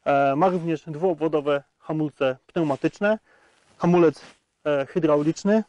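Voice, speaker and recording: A man's voice: on the high side, takes it slowly, a little mellow, no echo, highs cut off. A man in his thirties presenting a tractor test outdoors in a field, talking with frequent hesitation sounds between facts. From Poland. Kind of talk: product review walkaround.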